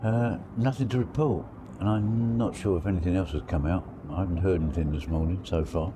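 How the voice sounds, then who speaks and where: Croaky deep bloke chatting outdoors by a lake, lots of background noise. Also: male voice, fairly quick. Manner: relaxed, rambling, thinking aloud. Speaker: angler vlogger. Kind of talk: casual spoken fishing diary.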